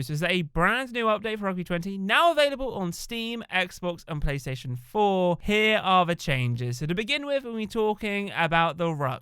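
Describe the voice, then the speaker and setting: A man's voice: sits high, fairly bright tone, clear, resonant tone, dry recording. A young man chatting upbeat to his viewers as a gaming YouTuber, addressing them casually as guys. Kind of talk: casual video-game news talk.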